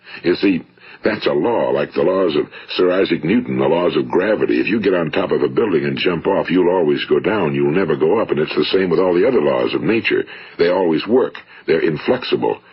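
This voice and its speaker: Noticeable background noise sits behind a man's calm tone. He keeps a fairly quick pace and very even loudness. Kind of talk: motivational spoken-word talk / lecture. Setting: old studio recording of a classic motivational speech. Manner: calm, measured, authoritative.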